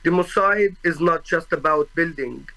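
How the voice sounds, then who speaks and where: Slow, bright-voiced young man with an Arabic accent. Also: fairly high pitch, gravelly, poor audio. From Gaza, Palestine. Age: 20s. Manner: halting, searching for words, with frequent restarts and fillers; solemn and earnest. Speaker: witness testifying at a tribunal. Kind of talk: formal personal testimony.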